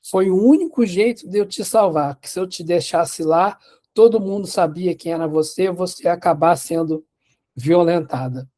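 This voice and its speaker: A man voicing a calm, protective Roman officer who explains himself in a reassuring, matter-of-fact way while telling a story in a class. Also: high-pitched, moderate pace, lightly acted.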